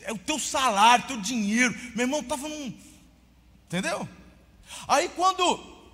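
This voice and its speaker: A Brazilian man preaching a sermon as pastor, telling a story with lively swings and shouting at the peaks, often calling listeners brother. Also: very high voice, a little slow, in a large hall.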